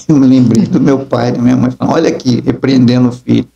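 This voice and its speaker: A man's voice: medium pitch, level tone, fast, vocal fry, warm tone, lo-fi sound. A middle-aged man, an apostle and preacher, telling his testimony emphatically in an interview and acting out the dialogue. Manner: emphatic storytelling, acts out dialogue.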